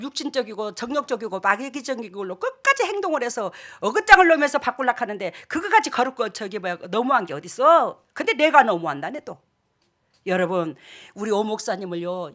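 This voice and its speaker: A woman's voice: fairly high pitch, fairly bright tone. A middle-aged woman pastor, preaching a sermon in an emphatic, scolding way and acting out the dialogue she quotes.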